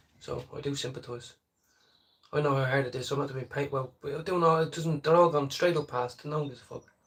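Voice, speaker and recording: Speaking at a very fast pace with an Irish accent, a man uses fairly even intonation in a fairly high, somewhat breathy voice. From Ireland. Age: 30s. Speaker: livestreamer. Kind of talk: casual chat. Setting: livestream.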